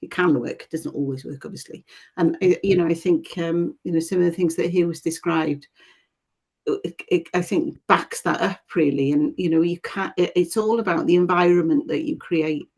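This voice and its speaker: Husky-voiced panelist hedging with fillers. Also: medium pitch, steady tone, moderate pace, a little mellow. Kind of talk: panel discussion.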